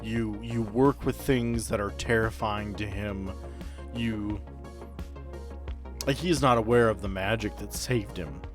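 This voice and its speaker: A man narrating a tabletop role-playing game as game master, telling it dramatically in short, deliberate phrases. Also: fairly low pitch, fairly even intonation, over music.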